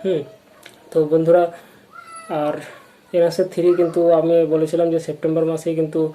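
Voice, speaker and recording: A channel host with a West Bengal accent gives viewers an informal update, sounding halting and repetitive like someone new to presenting. His medium-pitched voice is mellow and level, with slight background noise.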